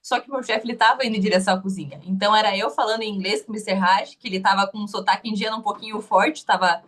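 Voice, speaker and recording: A woman's voice: medium pitch, steady tone, rapid-fire, a bit bright. A young woman with a Curitiba Brazilian Portuguese accent, telling her interview story casually, hesitant with many restarts.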